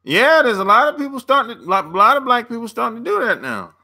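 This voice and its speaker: Talking fast in a very high, creaky voice that sounds pushed and bright, this dating coach and channel host is extremely animated. He laughs a lot while replying to viewer comments on his laid-back livestream, using plenty of slang.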